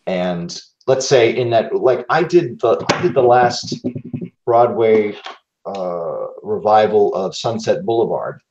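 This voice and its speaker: A man speaking as a guest voice actor in a reflective interview, halting and thoughtful, repeating words as he searches for the next phrase. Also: fairly low pitch, expressive, a little mellow, reverberant, highs cut off, slight background noise.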